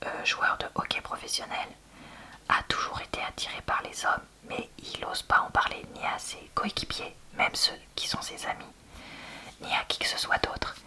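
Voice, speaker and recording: A woman whispering softly in a library whisper, chatting candidly in a conversational ASMR book-review style. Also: moderate pace. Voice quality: soft, breathy unvoiced library whisper. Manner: hushed, conversational, candid opinions.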